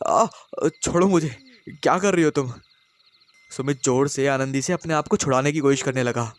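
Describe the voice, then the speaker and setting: A male storyteller narrates a horror tale in steady, dramatic scripted delivery. His pitch sits in the middle range for a man, and he lingers on the grim details. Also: no room sound.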